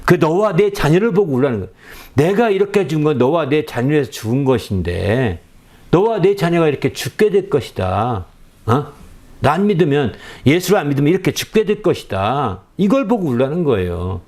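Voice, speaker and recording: A middle-aged man preaching a sermon with a rather high, very lively voice that rises and falls freely. He talks conversationally and keeps tossing quick questioning checks to his listeners. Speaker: pastor.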